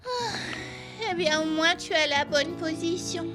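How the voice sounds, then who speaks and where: A woman's voice: very high-pitched, slow. A woman playing an affectionate, perky girl in a French-dubbed children's cartoon, gushing and coaxing. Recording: music behind the voice.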